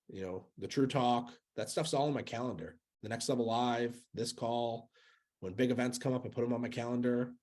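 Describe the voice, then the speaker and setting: A man's voice: mid-range voice, darkish tone. Earnest man coaching sales agents. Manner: earnest, repeats key phrases, many fillers. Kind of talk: motivational talk to sales agents.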